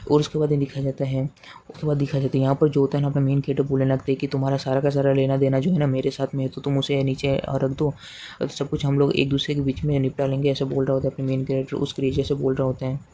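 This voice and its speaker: Indian man, casual recap narrator, fast and monotone, rambling with restarts, faint room hum. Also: mid-range voice. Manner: rambling, repetitive, many fillers and restarts; speaks quotes in the same flat narrating voice.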